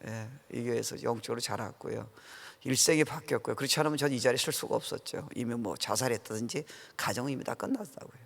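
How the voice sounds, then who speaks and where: Speaking at a quick pace with a mid-range, fairly bright voice and some vocal fry, this middle-aged guest pastor delivers an earnest, informal revival sermon. He keeps asking the congregation questions, and his words echo around a large sanctuary with reverberant hall acoustics.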